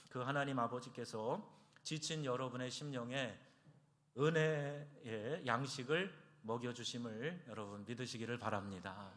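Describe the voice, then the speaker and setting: A pastor preaches a Sunday sermon in a church sanctuary, acting out quoted prayers and voices with big swings in pitch and loudness.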